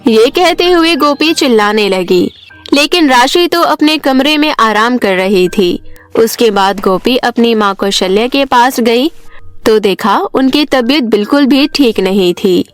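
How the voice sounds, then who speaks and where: A woman's voice: on the high side, lively intonation, a little slow, soft background music. A woman giving scripted narration of a bedtime story for children.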